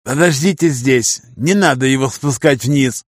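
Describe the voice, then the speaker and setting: A man voicing an arrogant, cruel man of about forty in an audiobook, making slow, loud threats. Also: medium pitch, no echo, clean studio sound, lightly acted. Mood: commanding. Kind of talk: audiobook character reading.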